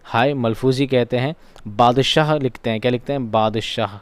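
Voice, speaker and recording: A man's voice: medium pitch, normal speed, smooth, no echo. A man teaching a grammar lesson who asks questions and answers them himself, repeating key terms. He speaks with a flavour. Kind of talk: classroom-style grammar lesson.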